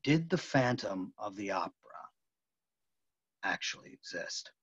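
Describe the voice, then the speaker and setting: A man's voice: on the low side, sing-song, measured pace, a bit bright, breathy edge, exaggerated voice. A man playing an earnest, intense film actor pressing for the truth in a staged reading. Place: room at home, video call. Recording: dull, muffled video-call audio.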